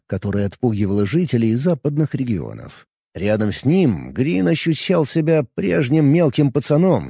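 A man narrating an audiobook in an expressive storytelling manner. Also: medium pitch, gravelly, slightly rough, no room sound, clean studio sound. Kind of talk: scripted narration.

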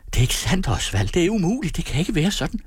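A man's voice: fairly high pitch, big pitch swings, breathy edge, no echo, clean studio sound, voice pushed up, full character voice. A man reading the part of a devoted mother who comforts her grown son. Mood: alarmed. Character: devoted middle-aged mother, soothing then shaken.

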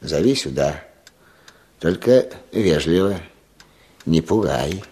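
An actor playing a weary, patient older village official in a Russian radio play, with an unhurried, avuncular, sighing manner. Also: male voice, sits low, lively intonation, mellow. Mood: calm, instructing.

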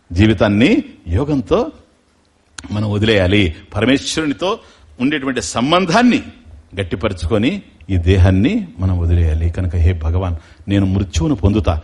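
Man, spiritual lecturer, husky voice, lively pitch, devotional discourse, chants verses. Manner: animated, chants Sanskrit verses slowly and musically.

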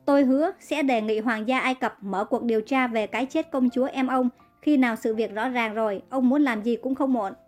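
A woman's voice: on the high side, a little fast, darkish tone, soft background music, close to an everyday voice. A woman reading as a kind, pleading young woman. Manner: pleading, earnest. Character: kind young woman healer, frightened captive.

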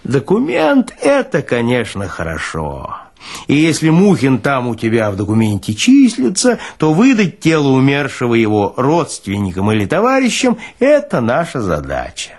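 An older morgue orderly acted out by a man speaks with unhurried self-importance. His voice is husky and mid-pitched, and he lectures in plain folksy speech, stubborn and pedantic, as a character in a literary audiobook. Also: huge pitch swings, darkish tone. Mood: stolid, pedantic. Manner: pompous, pedantic, colloquial.

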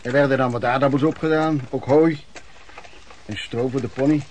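A man acts out an older former vagrant and street hawker in a radio drama. He tells of his life in a folksy, wordy way with quaint old turns of phrase, at a middling pitch. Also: steady tone, normal speed, darkish tone, slight background noise, natural voice. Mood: matter-of-fact reminiscing. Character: plain-spoken former male street vendor and vagrant reminiscing. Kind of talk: radio play monologue in interview form.

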